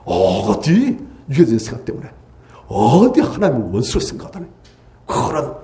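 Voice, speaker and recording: A man preaching a revival sermon in a church, pleading loudly at times and dropping to hushed near-whispers at others. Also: fairly high pitch. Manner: impassioned, swings from loud pleading cries to hushed near-whispers. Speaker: pastor. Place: church sanctuary.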